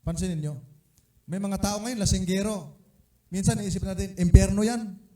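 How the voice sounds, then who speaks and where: Man preaching, highish mellow voice, lively swings in loudness, echoey church room picked up from far off. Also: moderate pace. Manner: animated storytelling with sudden loud emphasis. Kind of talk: sermon. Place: church hall.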